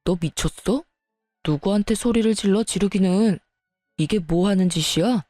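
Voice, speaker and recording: A woman's voice: medium pitch, normal speed, dark tone, no room sound, faint music behind, close to an everyday voice. Woman doing a blustering abusive husband. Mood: angry. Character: rude hot-tempered husband, young adult man.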